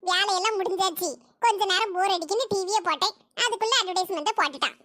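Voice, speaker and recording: A very high, squeaky cartoon housewife, voiced by a woman, gabbing in quick bursts. She is nosy and exclaims at every bit of news. The sound is close and dry. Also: fairly bright tone, no room sound. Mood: chatty. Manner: quick, exclaiming village gossip. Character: gossip-loving housewife, idle and fussy. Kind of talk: cartoon comedy voice acting.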